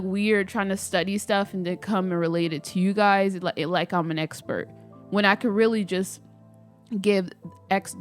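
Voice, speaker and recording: A woman's voice: mid-range voice, clean tone. Stuffy-nosed woman chatting casually. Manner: rambling, many "like" fillers and restarts. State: stuffy, a little nasal from a cold. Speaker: spiritual vlogger. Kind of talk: casual chat to camera. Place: at home, doing her hair.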